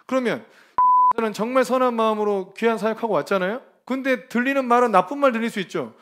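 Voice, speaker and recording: Man, preacher, high-pitched voice, animated, emphatic, casual sermon delivery. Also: fast talker. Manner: animated and emphatic, colloquial, laughs often. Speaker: preacher at a ministry training. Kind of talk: lively informal sermon.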